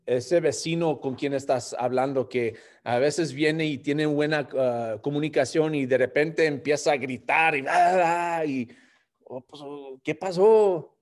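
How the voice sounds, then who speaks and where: A man preaching a sermon, earnest and often chuckling. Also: a little high.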